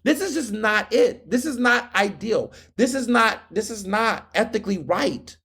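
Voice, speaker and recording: A young podcast host from Houston, Texas, launches into a fiery, sarcastic opinion monologue packed with rhetorical questions. His high, husky voice has a sharp tone and lively intonation, though he delivers it unhurriedly.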